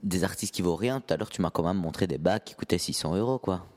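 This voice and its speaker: A man's voice: low-pitched, quick pace, a little mellow, a little hiss or hum. A man objecting in a teasing, challenging way during a casual conversation. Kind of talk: casual interview.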